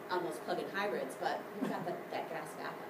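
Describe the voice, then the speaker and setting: A woman talks at a very fast pace. Background noise is noticeable. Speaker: conference presenter. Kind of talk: conference presentation. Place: hall.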